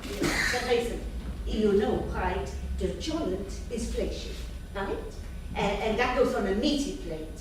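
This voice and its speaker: A woman's voice: medium pitch, lively intonation, measured pace, natural voice. An actress playing a fussy, anxious older Jewish mother in a staged reading, fretful and repeating her words. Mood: bossy, lamenting. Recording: echoey theatre, distant mic, faint noise.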